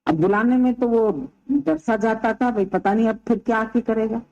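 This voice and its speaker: A woman spiritual teacher telling a story at a devotional gathering, in an unhurried, folksy way with quoted dialogue. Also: fairly high pitch, warm tone, muffled recording. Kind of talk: storytelling discourse at a satsang.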